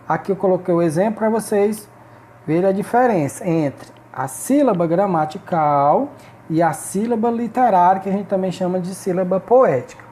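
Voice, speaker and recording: Woman teaching in a mellow voice. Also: medium pitch, a little hiss or hum. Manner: explanatory, frequent checking tags like "né?" and "ok?". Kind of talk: recorded online class lesson.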